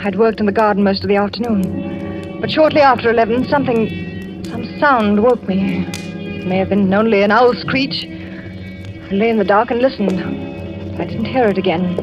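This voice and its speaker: A young actress playing a frightened wife who narrates her story in a tense, hushed way, in 1940s radio acting. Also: medium pitch, normal speed, long pauses, close to an everyday voice. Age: young adult. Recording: lo-fi vintage radio with music.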